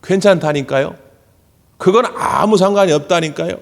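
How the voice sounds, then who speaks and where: A male pastor preaching a Sunday sermon in a church sanctuary. He tells stories in an animated way and acts out the voices of the people in them. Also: high voice, moderate pace, vocal fry. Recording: long church hall reverb.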